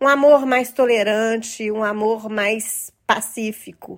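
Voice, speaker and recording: Very slow speech from a woman, very clean recording, silent background. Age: 50s. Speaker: life coach and podcast host. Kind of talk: reflective monologue.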